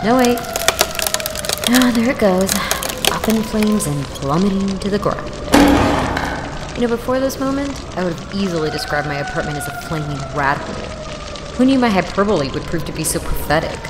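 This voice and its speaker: A woman's voice: fairly low pitch, animated, normal speed, big-room sound, heavy background noise, lightly acted. An actress playing a sarcastic, exasperated young college student who narrates her own story in an audio drama, wry and self-deprecating. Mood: wry, stunned. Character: snarky, exasperated 24-year-old woman, broke college student. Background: music.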